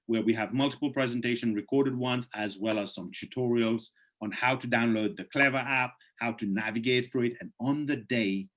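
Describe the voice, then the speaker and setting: A man with a voice worn hoarse from many presentations hosts a video call and speaks through a computer mic. He urges his listeners persuasively and reads their chat questions aloud before answering them one by one. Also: medium pitch. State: losing his voice.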